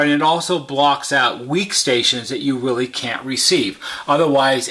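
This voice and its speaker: A man's voice: mid-range voice, bright, forceful tone. A man giving an informal how-to demonstration as a repair technician, plain-spoken and step by step, repeating points for emphasis. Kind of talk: informal instructional explanation.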